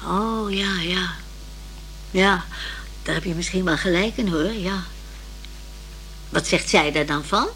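A woman's voice: fairly low pitch, takes it slowly, pauses often, a bit bright, slight background noise, poor audio. A woman playing a chatty, old-fashioned older lady in a radio play, rambling hesitantly and romantically about young people. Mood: musing, hesitant. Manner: hesitant, rambling, sighing over modern youth. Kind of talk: naturalistic radio play dialogue.

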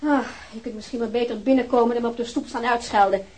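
A haughty, aristocratic lady who is cold and scornful, voiced by a woman in a radio play. Her voice sits a little high. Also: steady tone, fast talker, a little mellow, natural voice.

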